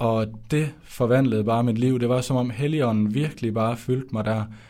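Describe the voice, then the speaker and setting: Fairly even in intonation, a man speaks at a moderate pace. His medium-pitched voice has a dark, mellow tone. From western Jutland, Denmark (Skjern). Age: 20s. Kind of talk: faith testimony interview.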